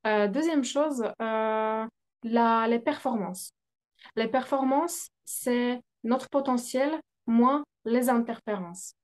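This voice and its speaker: A woman's voice: fairly high pitch, takes it slowly. A woman whose first language is not French, a business coach answering interview questions with frequent fillers and hesitations. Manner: hesitant, many fillers, laughs often.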